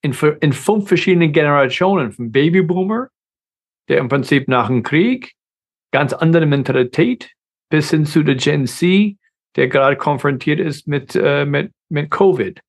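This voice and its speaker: Middle-aged man from the US, American accent, non-native German speaker, slightly high voice, interview guest who often restarts. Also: lively intonation, normal speed, breathy edge. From United States. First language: English. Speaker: guest consultant. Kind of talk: conversational interview.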